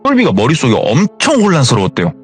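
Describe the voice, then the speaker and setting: A man's voice: medium pitch, huge pitch swings, fast, soft background music. A man casually retelling a true ghost story as a narrator, in a chatty, colloquial way. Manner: colloquial, retells with reported speech.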